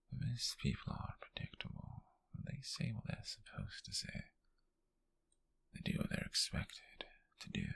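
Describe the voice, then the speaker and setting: A man acts out a possessive British admirer in an intimate ASMR roleplay. His voice is slow and extremely gravelly, sliding between breathy whispers and low murmurs with big swings in pitch. He speaks close to the microphone, halting and intense, fixated on the one he loves. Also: fairly bright tone, full character voice.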